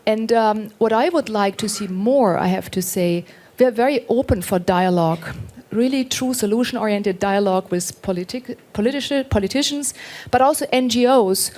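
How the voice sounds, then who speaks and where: A woman's voice: mid-range voice, moderate pace, a little mellow. Earnest, persuasive woman on a panel. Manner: earnest, persuasive, appealing directly to the audience. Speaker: industry panelist. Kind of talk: panel discussion remarks.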